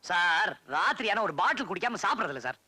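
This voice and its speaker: An actor playing a cheeky, quick-witted young man in a comic film scene. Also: sits high, sing-song, pushed and bright, full character voice. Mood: teasing. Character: cheeky young man who jokes about drinking. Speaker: film hero.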